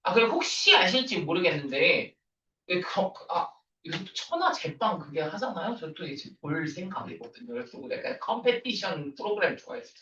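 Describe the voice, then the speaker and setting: Lively woman teaching English, roomy sound. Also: lowish voice, brisk, a little hiss or hum. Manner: lively, switches between casual and polite speech. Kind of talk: casual classroom lecture. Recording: roomy, distant, dull lo-fi sound.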